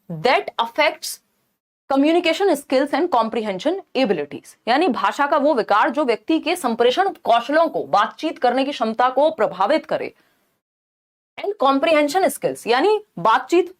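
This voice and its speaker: A young woman with a high voice teaches an exam-prep lesson. She walks through each answer by restating it and asking rhetorical questions along the way.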